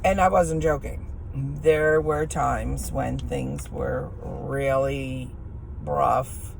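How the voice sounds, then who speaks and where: A middle-aged woman with a hoarse voice, chatting frankly and rambling while she drives, easily irritated by other drivers. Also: very deep voice, animated, extremely slow, a little mellow. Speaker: vlogger. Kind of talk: casual chat while driving. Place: in a car while driving. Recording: car road noise behind.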